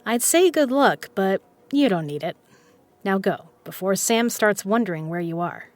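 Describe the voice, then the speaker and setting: An actress plays a self-assured woman in an audio drama, with a voice of medium pitch. She talks frankly and coaxingly, like family, with a teasing edge and real care underneath. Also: expressive, moderate pace, no room sound, lightly acted. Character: confident, teasing, caring woman poker player, the man's cousin.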